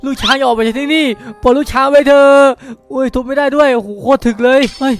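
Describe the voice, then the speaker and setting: Young male game host, quick exclamatory delivery, repeats himself in excitement, light music bed. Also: very high-pitched. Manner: exclamatory, urgent, repeats words rapidly. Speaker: gaming video host. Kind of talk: excited Minecraft roleplay commentary. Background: background music.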